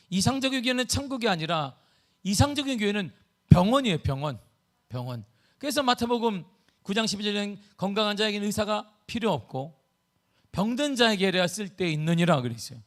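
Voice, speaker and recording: Middle-aged man preaching, higher voice, gets loud then drops way quiet, very animated. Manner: animated storytelling with sudden loud and soft swings. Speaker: pastor. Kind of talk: sermon.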